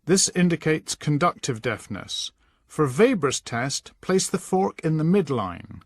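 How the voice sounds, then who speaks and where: This is a man with a somewhat high voice reading out a scripted lesson, giving steady, measured instructions with a sing-song lilt. It was captured close and dry, without any echo or room sound.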